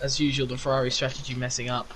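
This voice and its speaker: A man's voice: mid-range voice, monotone, fast, fairly bright tone, slight background noise, poor audio. A man hosting a casual racing podcast, chatty and teasing, laughing often. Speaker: podcast host.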